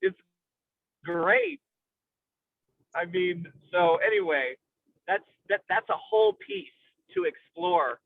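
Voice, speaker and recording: Tinny narrow-band audio, male speaker, fairly high pitch, bookish vocabulary, halting delivery, analytical film chat. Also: huge pitch swings, gravelly, no room sound. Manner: intellectual, academic vocabulary. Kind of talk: analytical film discussion, conversational. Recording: tinny phone-like radio-style sound.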